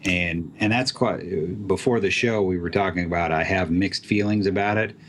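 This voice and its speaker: A man's voice: low-pitched, normal speed, fairly bright tone, slight background noise. A man who develops apps talking casually about programming, with many fillers and restarts. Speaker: app developer guest. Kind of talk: casual tech chat.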